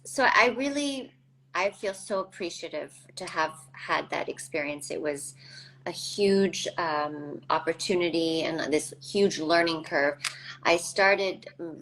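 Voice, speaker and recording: A woman from Canada in her forties, a guest reflecting thoughtfully in a casual interview, with halting restarts. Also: low voice, fairly bright tone, slight background noise, poor audio.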